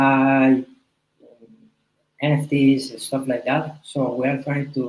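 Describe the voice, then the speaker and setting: He speaks in a Spanish accent. This man's pitch is fairly high. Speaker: community project organizer. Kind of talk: project presentation. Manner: halting.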